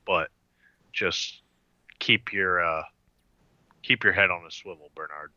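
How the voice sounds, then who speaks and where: A man voicing an eleven-hundred-year-old vampire, measured and thinking aloud. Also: low-pitched, sharp tone, no echo, dull audio, heavily acted. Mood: wary. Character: ancient male vampire, eleven hundred years old, calculating.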